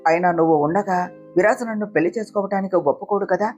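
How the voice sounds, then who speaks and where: A woman's voice: medium pitch, fast talker, darkish tone, dull audio, faint music behind, natural voice. A woman voicing a scheming young woman who whines and accuses in a read-aloud family story. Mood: whining. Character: scheming young woman, fake-crying and demanding.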